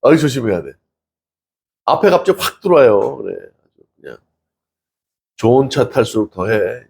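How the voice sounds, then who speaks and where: Gravelly middle-aged male pastor, chatty sermon. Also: medium pitch, big pitch swings, normal speed, darkish tone. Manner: chatty, asks the congregation questions, laughs often, acts out quotes. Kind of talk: conversational sermon.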